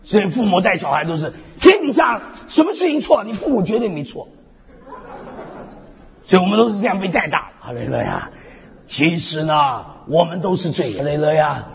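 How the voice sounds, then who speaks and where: A North America-based male pastor with a high, creaky voice preaches a little fast and with energy, blending humor and self-deprecating stories with frequent call-and-response hallelujahs. The sound is dull, with long reverb from the hall.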